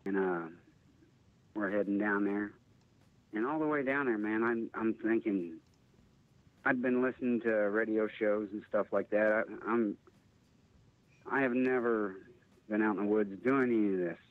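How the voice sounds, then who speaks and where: A man's voice: on the low side, unhurried, pauses often. A man from the United States, an interview guest giving a casual, hesitant personal account over a phone-like connection. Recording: thin phone-line sound.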